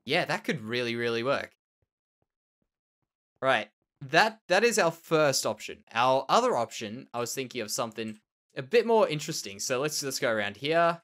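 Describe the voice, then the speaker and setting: Speaking at a normal speed in a mid-range, fairly bright voice, an Australian man hosts a Minecraft let's play with great animation. His tone is nasal and slightly tender as he muses over his own building, repeating words in casual gameplay commentary.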